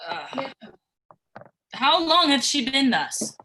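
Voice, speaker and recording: Anxious, grieving monarch woman in the role, bright and fairly high, declamatory Shakespearean verse, amateur livestream reading. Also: very animated, takes it slowly, slight background noise, full character voice, poor audio. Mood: concerned. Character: troubled Danish king, male, grieving and anxious. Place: remote livestream from separate location.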